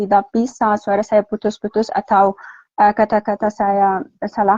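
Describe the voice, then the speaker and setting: Speaking at a moderate pace with an Arabic accent, a woman has a fairly high pitch and a dark, mellow tone, recorded with a dry, close sound and no echo. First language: Arabic (speaking Indonesian). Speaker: foreign student of Indonesian. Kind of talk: interview on live stream. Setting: at home, live video call. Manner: halting, many fillers.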